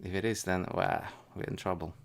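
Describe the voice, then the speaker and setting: A man with a fairly low voice talks casually as the host of a live stream. He thinks aloud in a halting way, as a retail investor giving his own commentary. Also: fairly even intonation, gravelly.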